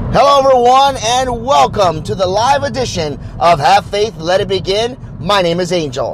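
With noticeable background noise behind him, a man speaks at a high pitch and moderate pace, his voice making very wide pitch swings. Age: 40s. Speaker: faith podcast host. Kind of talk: inspirational monologue. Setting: live stream broadcast.

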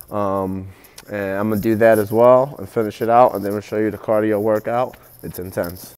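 A man talks at a moderate pace in a fairly low pitch. His is an unremarkable speaking voice. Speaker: workout vlogger. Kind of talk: casual workout tutorial. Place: gym. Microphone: earbuds.

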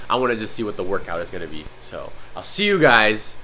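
There is light background noise as a man talks with fairly even intonation. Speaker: fitness vlogger. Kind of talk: casual vlog chat. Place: kitchen. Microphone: phone near.

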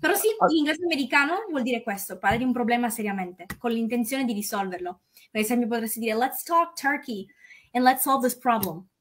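The speech races along at a very fast pace. Its intonation is lively. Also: woman, high pitch for a woman. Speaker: English language teacher. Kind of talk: casual chat. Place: home room.

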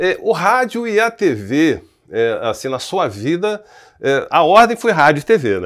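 The recording is very clean with a silent background, and the speech unfolds at a fairly slow pace. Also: man. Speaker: interviewer, former radio announcer. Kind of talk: casual interview chat.

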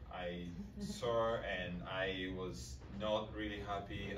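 A man's voice amid noticeable background noise. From Tanzania. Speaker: mountain guide. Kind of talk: talk to students. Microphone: camera far.

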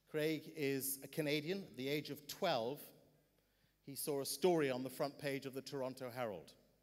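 At a moderate pace, a man with a British accent speaks in a fairly high pitch. His pitch variation is ordinary, and the background is quiet. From United Kingdom. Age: 50s. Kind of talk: sermon. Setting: stage with audience. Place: hall. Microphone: handheld.

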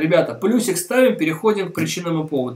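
An animated tone with very wide pitch swings over a quiet background. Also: man. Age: 30s. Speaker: psychotherapist; psychotherapist webinar host. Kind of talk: livestream lecture. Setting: online video stream. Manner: informal. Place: office. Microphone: webcam.

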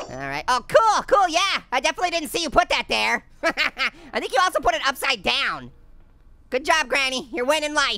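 Pitched high, this cartoonish character voice moves at a moderate pace. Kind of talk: gameplay commentary. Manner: upbeat, joking.

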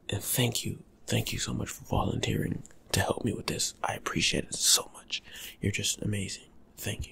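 Someone whispers at a moderate pace. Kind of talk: casual soft-spoken chat to viewer, roleplay-like. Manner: soft, close, eerie ASMR murmur. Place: home room. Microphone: phone near.

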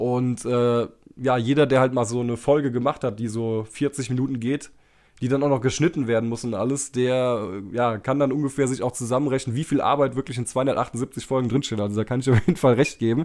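On a very clean recording with a silent background, a man with an unremarkable speaking voice talks at a fairly quick pace, his pitch medium and his intonation fairly even. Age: 30s. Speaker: YouTuber, gaming channel. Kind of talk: casual monologue to viewers.

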